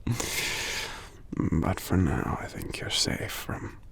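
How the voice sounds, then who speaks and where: Man as a very slow, deep, whispery sick giant. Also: wildly swooping pitch, heavily acted. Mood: wry, drowsy. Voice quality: congested, stuffy, breathy half-whisper. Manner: soft, unhurried, murmuring hums between phrases. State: congested from a cold. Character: gentle sick male giant, tender romantic partner. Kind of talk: intimate ASMR roleplay.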